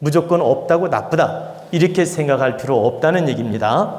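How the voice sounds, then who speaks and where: With a Chungcheong accent, a man talks in a high pitch with lively intonation, amid noticeable background noise and audible room echo. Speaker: lecturer on fortune-telling and physiognomy. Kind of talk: lecture. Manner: casual, conversational.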